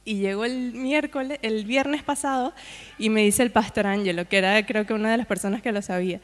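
A woman's voice: on the high side, brisk. A woman preaching, telling a personal testimony to a congregation in a conversational way with frequent asides. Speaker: guest preacher. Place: church hall. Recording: long hall reverb.

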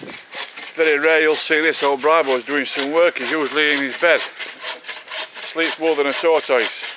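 A man's voice: on the high side, steady tone, normal speed. Brief: middle-aged man, friendly banter, camp vlog on camera mic, noisy outdoors. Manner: chatty, affectionate banter. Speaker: vlogger filming a camping trip. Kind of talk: casual chat to camera. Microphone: handheld camera, selfie distance. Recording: outdoor camera audio with clear background noise.

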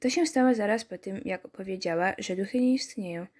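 Reading through a story game for her audience, this mid-pitched woman keeps breaking off for dry, conversational asides, like a laid-back let's-play. She moves briskly, and her voice has a somewhat dark color.

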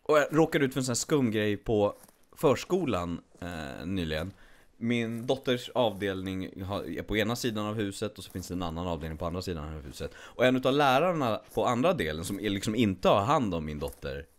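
Gaming host, man, 40s, lively animated delivery, acts out the people he quotes in stories. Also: fairly low pitch. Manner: animated storyteller who acts out quoted voices. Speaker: streamer playing a hunting game. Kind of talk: casual gaming chat.

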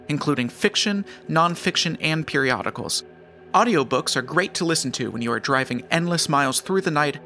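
Man, scripted podcast ad read, bright crisp edge, raised pitch, faint music. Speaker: podcast creator reading sponsor message.

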